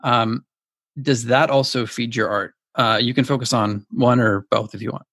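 A man's voice: medium pitch, steady tone, moderate pace, gravelly, a bit bright, no echo. Guy hosting a podcast, chatty, laughs a lot, dead dry close mic. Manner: friendly, chatty, laughs easily. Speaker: podcast host. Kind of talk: casual interview chat.

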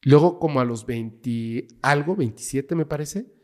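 A man's voice: medium pitch, unhurried. Mexican man telling a tense story. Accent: Mexican Spanish. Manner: dramatic storyteller, drops to a hush for tense moments. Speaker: guest, paranormal investigator. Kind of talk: casual storytelling interview.

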